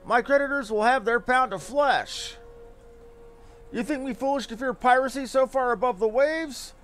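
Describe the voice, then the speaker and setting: Man playing an anxious high-pitched airship merchant. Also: normal speed, fairly bright tone, soft background music. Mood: worried, pleading. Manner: pleading, florid, dramatic. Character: anxious airship merchant fretting over debts and lost cargo.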